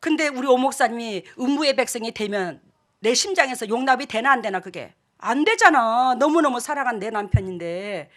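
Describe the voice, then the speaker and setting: A woman's voice: on the high side, animated, fairly quick, fairly bright tone. A middle-aged woman pastor, preaching a sermon in an emphatic, scolding way and acting out the dialogue she quotes.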